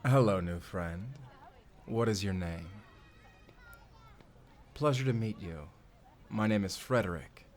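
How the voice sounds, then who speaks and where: A man playing a suave, menacing fantasy villain in an audio drama, speaking with theatrical, deliberate politeness and command. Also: lowish voice. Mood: smooth, curious. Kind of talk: audio roleplay acting.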